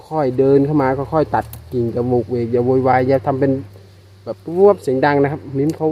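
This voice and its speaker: A man with a Northeastern Thai accent talks straight to his camera outdoors as he cuts wild bee nests from low branches. He exclaims often, and he speaks in an easygoing, chatty way at a middle pitch. The sound comes through a handheld camera mic. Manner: excited exclamations, addresses viewers as brothers and sisters. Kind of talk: casual narration while working outdoors. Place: outdoors in rural scrubland.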